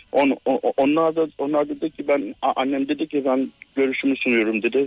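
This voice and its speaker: A man at medium pitch with ordinary pitch variation and a moderate pace, dry, close sound with no echo, and noticeable background noise. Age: 30s.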